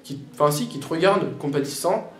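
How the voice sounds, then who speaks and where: A teenage boy giving a personal testimony, halting and reflective as he recounts events. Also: a little high, animated, a bit bright. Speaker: interviewee. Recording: roomy with faint background noise.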